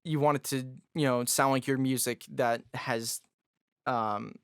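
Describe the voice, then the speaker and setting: A man with a raspy, somewhat high voice, chatting loosely as a podcast guest. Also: steady tone, a little slow, a bit bright, dry recording, clean studio sound. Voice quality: raspy, higher voice. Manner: loose and jokey, lots of fillers. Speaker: guest musician. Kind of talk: casual podcast conversation.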